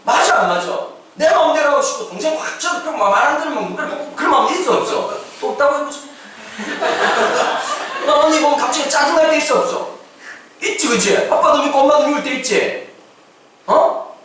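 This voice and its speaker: High, animated pastor in echoey hall. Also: male voice, normal speed, slight background noise. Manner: playful, slangy, acts out voices and laughs often. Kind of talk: lively youth sermon. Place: large church hall. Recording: echoey church hall from far off.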